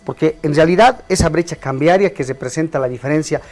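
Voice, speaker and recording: A man who is a guest on a TV talk show, explaining exchange rates in a measured, analytical way. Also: fairly high pitch, a little mellow. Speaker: economist guest. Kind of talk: explanatory TV interview.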